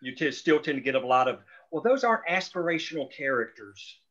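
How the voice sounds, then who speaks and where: A man's voice: fairly high pitch, big pitch swings, fairly quick, a bit bright. A man talking casually and emphatically on a group call, rambling through his opinions and sometimes swearing. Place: group video or phone call. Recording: dull, lo-fi call audio.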